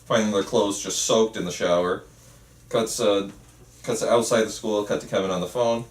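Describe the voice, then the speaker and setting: Lowish-voiced man reading screenplay directions. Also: fairly even intonation, normal speed. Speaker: stage directions reader. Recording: roomy, faint noise, distant mic.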